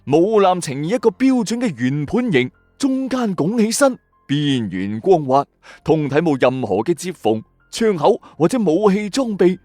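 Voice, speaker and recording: Male Cantonese narrator from a Hong Kong late-night mystery show: lively swooping delivery, dry close sound, music underneath. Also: high voice, a little slow, hardly any pauses, no echo. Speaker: storyteller host of a mystery radio channel. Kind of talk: dramatic scripted mystery narration.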